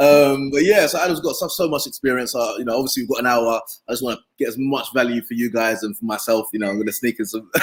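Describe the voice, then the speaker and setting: A man talks very fast in a London accent. His pitch varies in an ordinary way. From East London. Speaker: podcast host. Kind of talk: podcast interview. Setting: live stream.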